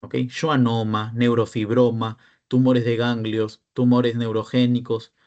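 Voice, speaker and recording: A man's voice: mid-range voice, level tone, a little slow, darkish tone, muffled recording. A young man with a Peruvian Spanish accent, a peer tutor giving an online class lecture, explaining step by step and often checking in with the students.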